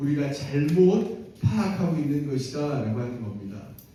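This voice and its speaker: Noticeable background noise runs under this recording. A man speaks with very wide pitch swings. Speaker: pastor. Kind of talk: church training lecture.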